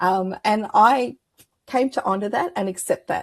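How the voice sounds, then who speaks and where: In an Australian accent, a woman speaks at a medium pitch with ordinary pitch variation and vocal fry, recorded with a dry, close sound and no echo. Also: quiet background. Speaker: akashic record reader and life coach. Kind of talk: casual chat. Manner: fast.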